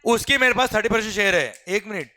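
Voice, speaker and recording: A man with an Indian accent teaching a lively class, often calling students "beta" and asking whether they follow, and reading English exam questions out slowly. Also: sits high. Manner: addresses students as beta, keeps asking "clear?".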